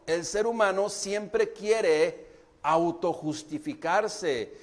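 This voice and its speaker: Male pastor, Mexican Spanish accent, high voice, preaching straight to the church. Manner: preaching, addresses the congregation directly. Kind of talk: sermon.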